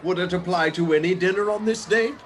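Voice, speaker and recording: An actor playing a humbled, anxious old Victorian gentleman in a radio play, speaking formally and hesitantly. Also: high voice, a little fast, some chatter behind, lightly acted. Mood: curious, polite.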